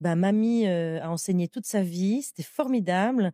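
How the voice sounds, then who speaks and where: Her tone dark and mellow, a woman talks at a moderate pace with ordinary pitch variation, the sound dry and close with no echo. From Belgium. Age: 40s. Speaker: comedian. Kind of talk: podcast interview answer.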